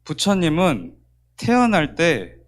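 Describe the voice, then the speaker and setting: Lively male pastor telling a story. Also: a little high, takes it slowly. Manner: animated storyteller acting out quoted dialogue. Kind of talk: sermon storytelling. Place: church.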